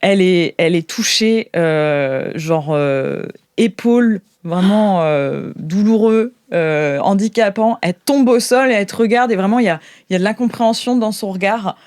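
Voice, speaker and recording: A woman with a French accent improvising narration as game master of a tabletop role-playing game, thinking aloud in halting phrases. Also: mid-range voice, a little mellow, dry recording, studio quality. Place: studio.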